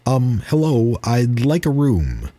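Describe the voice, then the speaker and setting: A man's voice: mid-range voice, big pitch swings, slow pace, mellow, pitched above the performer's own voice. A man voicing a polite, hesitant male traveler in a spooky story, a little unsure of himself. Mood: puzzled.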